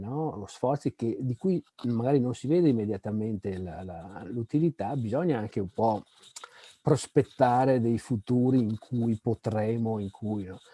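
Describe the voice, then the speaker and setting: A man's dark, mellow, medium-pitched voice with ordinary pitch variation, at a fairly slow pace, in a dry, close sound with no echo. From Veneto, Italy. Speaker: sociology professor and author. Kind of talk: panel discussion. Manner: halting, many fillers and repetitions.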